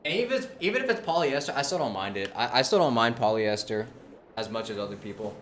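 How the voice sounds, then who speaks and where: A man's voice: mid-range voice, lively intonation. Casual man chatting over music. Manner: halting, informal, conversational. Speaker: livestreamer. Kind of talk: casual livestream chat.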